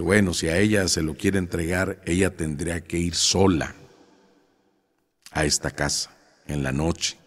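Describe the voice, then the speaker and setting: Deep-voiced man telling stories. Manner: conversational, recounting dialogues with frequent fillers. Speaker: storyteller. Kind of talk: casual storytelling to an audience.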